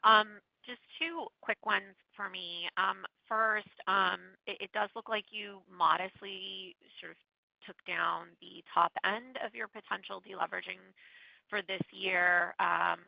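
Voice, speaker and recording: A woman's voice: mid-range voice, steady tone, unhurried, vocal fry, no room sound. A woman working as a financial analyst, asking polite, hedged questions on an earnings call. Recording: muffled phone call audio.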